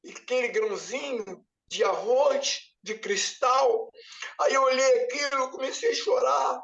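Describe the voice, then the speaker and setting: A very high-pitched man tells a church testimony, his voice breaking into tears and pleading. He sounds far from the mic in an echoey hall, and the sound is muffled. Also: measured pace, vocal fry, fairly bright tone. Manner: weeping, pleading as he retells a vision. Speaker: pastor giving testimony. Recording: echoey room picked up from a distance, muffled.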